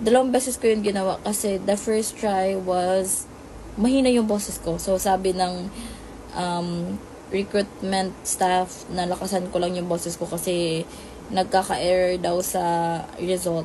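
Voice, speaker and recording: A woman at medium pitch with fairly even intonation, a fairly slow pace and noticeable background noise. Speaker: vlogger. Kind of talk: casual vlog narration. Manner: hesitant, filler-heavy.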